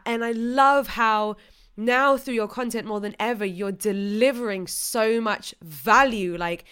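Smooth-voiced young woman podcast host. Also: a little high, a bit bright. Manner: gushing, friendly, upbeat. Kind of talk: casual interview chat.

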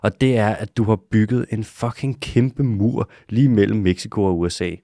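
A man with a lowish voice chats casually as a podcast co-host, explaining animal facts with swearing and easy laughter. The sound is close and dry, with no room around it. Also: warm tone, dry recording. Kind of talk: casual chat about animals.

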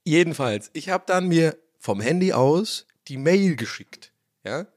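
A young man, slightly hoarse, hosting his own podcast from a room at home and ranting in a casual, swearing way. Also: fairly high pitch, lively intonation, unhurried, darkish tone. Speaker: podcast host. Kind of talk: casual solo podcast monologue. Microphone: own studio mic.

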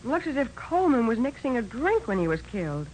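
A woman's voice: fairly high pitch, very animated, brisk, darkish tone, poor audio. Perky detective's girl assistant. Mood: curious, helpful. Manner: perky, inquisitive, casual. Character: alert, loyal young female detective's assistant. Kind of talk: 1940s radio acting. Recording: hissy old radio recording.

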